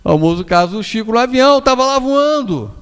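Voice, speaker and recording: A man's voice: very high-pitched, expressive, brisk, clear, resonant tone. Man, Brazilian accent, public lecture, anecdotal, acts out quoted voices, long reverb. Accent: Brazilian Portuguese. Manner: storytelling, acts out quoted voices, frequent tag questions. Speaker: spiritist lecturer. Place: lecture hall.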